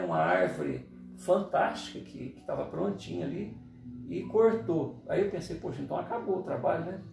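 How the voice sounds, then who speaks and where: With music in the background and audible room echo, a man speaks at a fairly slow pace. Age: 60s. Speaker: spiritist medium session host. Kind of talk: casual chat. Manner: halting.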